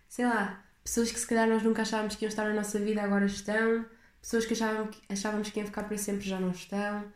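A young woman with a European Portuguese accent talks through her solo podcast in a loose, rambling way, often circling back and restarting her thoughts. Her voice is mellow and soft-edged, and the room around her sounds echoey. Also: mid-range voice. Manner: rambling, reflective, chatty with restarts. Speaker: podcast host. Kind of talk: casual solo podcast chat.

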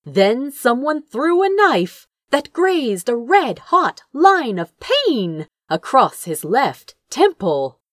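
A woman's voice: high-pitched, very animated, slow pace, hardly any pauses, dry recording, studio quality. A woman reading a fantasy story aloud as narrator, with theatrical, suspenseful delivery. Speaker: fan fiction narrator.

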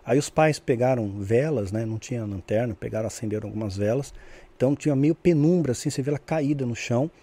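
A man tells a story at a quick clip, his voice dark and mellow. He talks in a lively way and acts out the voices he quotes, often checking in with "né?". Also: medium pitch. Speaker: guest storyteller. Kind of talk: casual storytelling.

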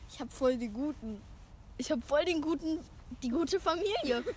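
A woman's voice: high voice, animated, normal speed, a little mellow, poor audio. A young woman in casual, playful chat with a friend during a game, talking in a giggly, chatty way. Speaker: co-host of a casual recording. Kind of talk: casual chat while playing a drawing game. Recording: home recording with clear background noise.

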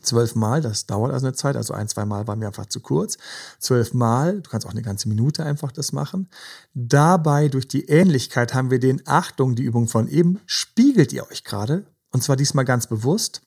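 A man hosting a podcast, gently advising couples in a casual chat, with many fillers. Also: mid-range voice, expressive, moderate pace, vocal fry, slightly rough. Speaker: podcast host.

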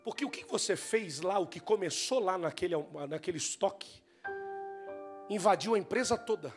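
A brisk company boss, as a male preacher acts him out, direct and approving. It is spoken in a high voice with faint music behind. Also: expressive. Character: company boss, older man, pleased.

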